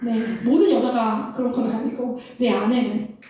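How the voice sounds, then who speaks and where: Animated high-voiced woman in echoey room. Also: moderate pace, far from the mic. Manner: animated, laughs often, acts out couples' lines. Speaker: Christian counselor. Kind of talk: lecture-style talk.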